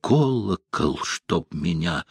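Male narrator plays theatrical young bard, drawn-out, sing-song delivery, dry booth sound. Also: low-pitched, animated, slightly rough, no echo, pitched below the performer's own voice, exaggerated voice. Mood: ominous, theatrical. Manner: theatrical, declaiming ominous verse. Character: excitable young male bard, dramatic and wordy.

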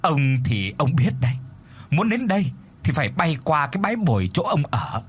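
Storybook duck, thin shrill whiny voice, pitched well up; a man puts it on. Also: sing-song, normal speed, breathy edge. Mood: eager. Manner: pleading, whiny. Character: shrill frightened wild duck begging for its life.

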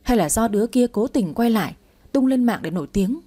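A woman's voice: fairly high pitch, expressive, fairly quick, mellow, breathy edge. A woman voicing an angry middle-aged mother who scolds her grown daughter harshly. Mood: scolding.

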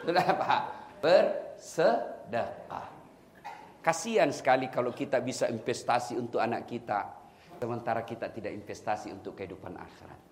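A man preaching a humorous sermon to a congregation, teasing his listeners and building up to loud calls. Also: mid-range voice, normal speed, slight background noise. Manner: jokey, teasing, rising to loud exhortations.

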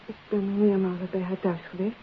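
A woman's voice: medium pitch, little pitch movement, a little fast, natural voice. A woman playing a guarded, independent young daughter in a 1950s radio play, defiant and reluctant in clipped replies. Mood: guarded, defensive. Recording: tinny, hissy 1950s radio recording.

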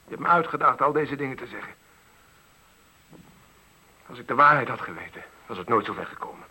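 A sharp, tense teenage son in a Dutch radio play, with some huskiness in the voice. He sounds hurt and confused, and speaks in an intense, accusing, confrontational way. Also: mid-range voice, lively intonation, brisk, breathy edge, heavily acted, low-quality recording. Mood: agitated.

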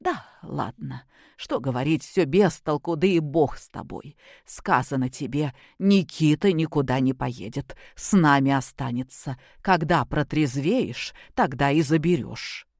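A woman voicing a tired older woman who speaks quietly and reproachfully. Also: low voice, measured pace, no room sound, studio quality, pitched below the performer's own voice. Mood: weary. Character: weary older woman, grandmother.

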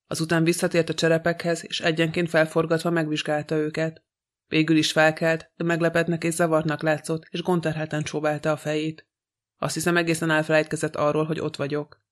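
A male audiobook narrator reads a detective story in a slightly high voice. His pitch barely moves at all. The delivery is even and unhurried. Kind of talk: audiobook reading of a detective novel.

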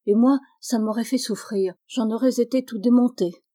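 A woman's voice: on the high side, normal speed, warm tone, lightly acted. A woman voicing a blunt older male farmer in a storybook reading, speaking frankly and plainly.

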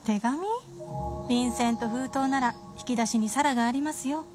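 上品な言葉遣いで夫をからかう作家の妻を演じる女性俳優。ラジオドラマの芝居。. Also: female voice, fairly high pitch, normal speed, music in the background, lightly acted. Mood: wry. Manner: polite, teasing, genteel speech. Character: refined wry wife of a novelist. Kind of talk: radio drama acting.

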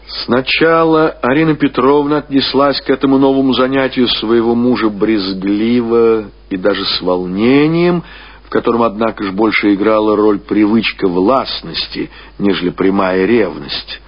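A man reading classic literary prose as a radio narrator, in a measured, expressive storytelling manner with deliberate phrasing. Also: mid-range voice, breathy edge. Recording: dull lo-fi radio recording.

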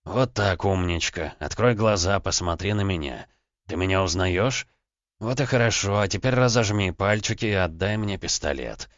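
A calm, gentle man, as the narrator puts him on in an audiobook, coaxing someone in a soft voice. The voice is deep and low, and it sounds dull and dry. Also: moderate pace, dry recording. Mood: soothing. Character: calm, gentle man soothing a frightened woman.

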